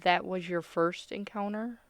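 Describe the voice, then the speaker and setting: A woman's voice: on the low side, steady tone, unhurried, natural voice. A woman playing a controlled military doctor in a radio play, interviewing a patient in a formal, clinical, authoritative way. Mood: clinical, composed. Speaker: voice actor.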